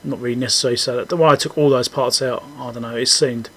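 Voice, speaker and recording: A man giving a casual, unscripted technical walkthrough as a repair host, halting as he thinks aloud. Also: mid-range voice, fairly even intonation, a bit bright, husky.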